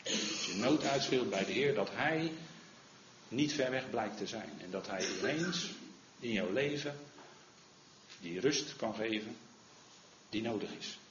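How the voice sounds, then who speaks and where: A man preaching a sermon in an earnest manner, often asking "hè?" and growing louder when he quotes the Lord. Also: fairly low pitch, lively intonation, a little slow, pauses often, noisy background. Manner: earnest, rises in volume when quoting the Lord, frequent "hè?". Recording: roomy, slightly dull recording.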